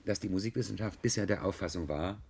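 An earnest musicologist holds forth haltingly in a radio play. The voice is lowish and rough, with a scholarly manner. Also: male voice, darkish tone, exaggerated voice. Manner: halting, professorial. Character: hesitant, earnest male musicologist, scholarly expert.

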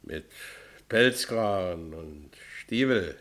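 An actor playing a gullible, boastful Berlin ex-convict in a radio drama, with a Berlin accent. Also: male voice, sits low, animated, drawn-out words, a bit bright, full character voice. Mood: guarded, boastful. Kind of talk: German radio drama acting.

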